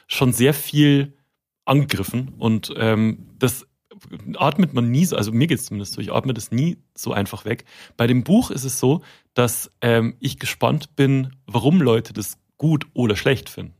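A man, a guest author in a casual interview, talking in halting restarts with self-deprecating humor. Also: medium pitch, creaky, darkish tone, breathy edge.

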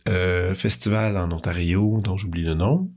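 A man's voice: sits low, steady tone, unhurried, a little mellow. A Québécois man hosting an interview, asking long rambling questions with many stammers. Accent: Québécois French. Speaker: podcast host. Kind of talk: casual interview chat.

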